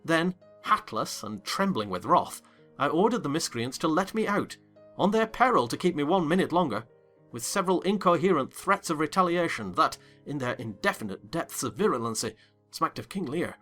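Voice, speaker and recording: A man narrating a dramatized classic novel in first person with a theatrical, expressive delivery, soft music beneath. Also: on the high side, moderate pace. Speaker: audiobook narrator.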